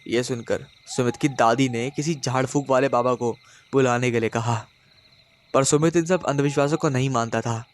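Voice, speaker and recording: A man narrates a horror story in a steady, dramatic way, building suspense line by line. His delivery is even, made for a spoken story compilation. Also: medium pitch, moderate pace.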